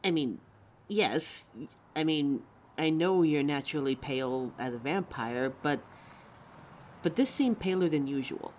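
Performer voicing a caring, lively-pitched young werewolf. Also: unhurried, a little hiss or hum, lightly acted. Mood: worried, insistent. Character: caring, anxious young werewolf partner devoted to a vampire lover. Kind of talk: scripted roleplay audio drama.

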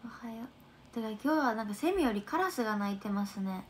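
A woman with a Kansai accent chatting casually on a livestream, reading viewer comments in a soft, chatty way that often sinks to a near whisper. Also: medium pitch, lively intonation, fast, slight background noise. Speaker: idol trainee livestreamer.

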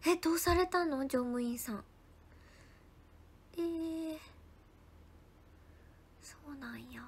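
High-voiced young woman chatting on a livestream. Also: slow pace, a little hiss or hum. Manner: chatty, thanks viewers by name, drops into soft whispered asides. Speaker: idol livestreamer. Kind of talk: casual livestream chat reading viewer comments.

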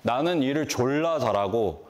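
A man giving a motivational lecture on stage, throwing rhetorical questions at the audience and answering them himself. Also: moderate pace. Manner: lively, swooping delivery with sudden pitch jumps. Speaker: hairdressing instructor and brand owner. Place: large conference stage before an audience.

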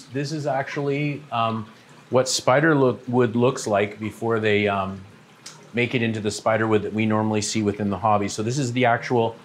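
Middle-aged man, lowish voice, relaxed shop-owner tour guide, lots of filler sounds, big indoor store. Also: slight background noise. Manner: relaxed, many "um" fillers, pointing at products as he walks. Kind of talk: casual walking tour. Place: large aquarium shop showroom and warehouse, indoors.

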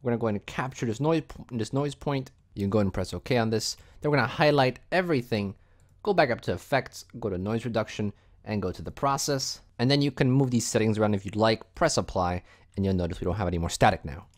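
A man narrating a software tutorial in a casual, explanatory step-by-step way as its host. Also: on the low side, expressive, fast.

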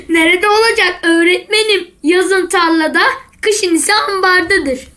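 Cartoon schoolboy: tiny, very high childlike voice, quick-witted, cheeky, confident know-it-all. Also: female voice, sharp tone, heavily acted. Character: witty, cheeky schoolboy, pious know-it-all with a ready answer. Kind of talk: scripted comic cartoon dialogue.

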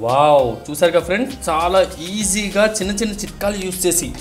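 A man's voice: sits high, brisk, soft background music. A man narrating a cooking recipe step by step, addressing viewers directly in an instructional way. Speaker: host of a cooking channel.

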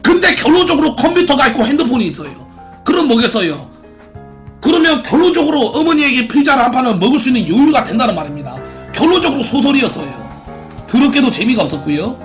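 Very high-pitched, brash young male streamer. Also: big pitch swings, fast talker, soft background music. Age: 20s. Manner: brash, crude, mocking. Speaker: live-stream host. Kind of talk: live-stream commentary, reading out viewer posts and picking winners. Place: small indoor room at a computer.

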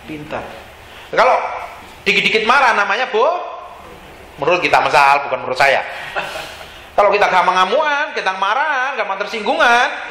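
A man pastor preaching a lively sermon in a casual, slangy way, often quizzing the congregation. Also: high-pitched, slight background noise. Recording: echoey hall with faint ambience.

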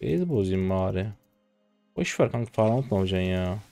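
A man in his twenties commenting live on his own gameplay, exasperated, swinging between low mutters and loud outbursts at his teammates. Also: animated, normal speed, gravelly, faint music behind. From Turkey. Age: 20s. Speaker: game streamer.

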